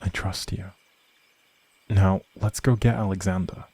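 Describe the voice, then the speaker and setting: Guy doing an outlaw prince for audio roleplay, deep mellow voice, breathy, gentle loyal leader type, old-timey wording. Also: fairly even intonation, heavily acted. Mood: resolute, stern. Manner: measured, earnest, old-fashioned phrasing.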